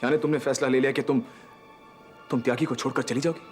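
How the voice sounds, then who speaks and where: A man's voice: medium pitch, steady tone, fast, darkish tone, soft background music, close to an everyday voice. An actor playing an earnest young man who begs a woman not to leave, in a TV serial drama. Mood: earnest, pleading. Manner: urgent, imploring. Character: pleading young man, Rishabh.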